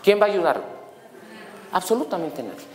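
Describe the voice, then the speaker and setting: A man's voice: high voice, a little fast. A middle-aged man with a Mexican accent giving a law lecture, telling stories and quizzing his audience with jokes. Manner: animated, jokey, asks the audience questions. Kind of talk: lecture with storytelling. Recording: echoey lecture hall.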